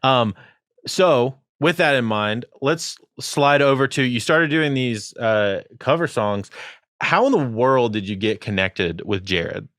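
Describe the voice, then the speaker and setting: A man hosting a podcast, asking questions in a relaxed, agreeable way. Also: mid-range voice, slow pace, dry recording, clean studio sound. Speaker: podcast host. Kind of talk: casual podcast conversation.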